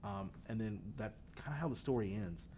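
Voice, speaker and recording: A male teacher speaks at normal speed in a lowish, mellow voice as he casually lectures on a short story. He talks conversationally with many fillers and restarts, and slight background noise can be heard.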